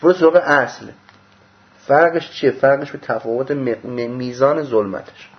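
A man giving a mystical religious lecture, explaining a diagram and asking rhetorical questions that he answers himself, swinging between loud bursts and low murmurs. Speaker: religious teacher. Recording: dull lo-fi recording.

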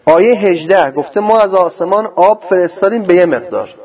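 A man teaching a religious lecture on scripture, explaining verses slowly and arguing with a sarcastic edge. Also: sits high, animated. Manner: sarcastic, argumentative. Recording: dull lo-fi recording.

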